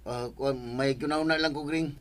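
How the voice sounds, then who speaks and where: An actor playing a flustered older village farmer in a Bisaya radio drama comedy, hesitant and rambling, with a Bisaya accent. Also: male voice, fairly high pitch, fairly even intonation, moderate pace, heavy background noise, close to an everyday voice. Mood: sheepish. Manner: hesitant, stammering when nervous, rambling.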